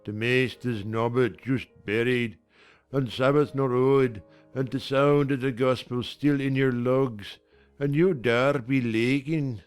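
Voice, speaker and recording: A man playing a sour, pious old servant with a broad Yorkshire accent who scolds slowly in a dramatized reading. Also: mid-range voice, fairly even intonation, clear, resonant tone, faint music behind, natural voice. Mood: scolding. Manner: slow, scolding, preachy.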